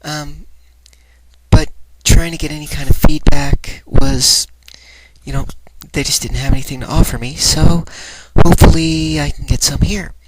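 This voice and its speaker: A voice trainee asks for feedback in a rambling, confessional personal vlog, speaking casually, hesitantly and with self-doubt. Her low-pitched, steady voice is light in resonance, a little breathy and nasal, at a measured pace. The home recording is very noisy, with clicks.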